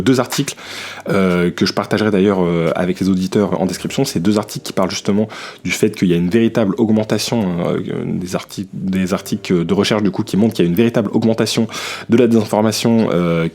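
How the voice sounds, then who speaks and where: A man from France hosting a tech podcast, talking through the week's news in a relaxed, loose way. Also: low-pitched. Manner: relaxed, loose, peppered with "hein". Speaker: podcast host. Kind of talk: casual tech news chat.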